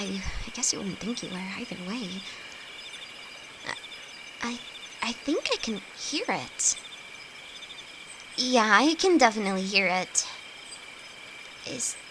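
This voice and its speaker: A woman acting a timid, affectionate young apprentice alchemist in an intimate audio roleplay, nervous, stammering and hesitant, speaking to her best friend. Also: a little high. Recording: insect and cricket noise behind voice. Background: night forest ambience with crickets.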